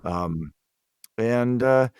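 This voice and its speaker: A man's voice: medium pitch, animated, very slow, darkish tone, clean tone, dry recording, studio quality. A man speaking as a guest voice actor in a casual podcast chat, hesitant and meandering, a little self-deprecating.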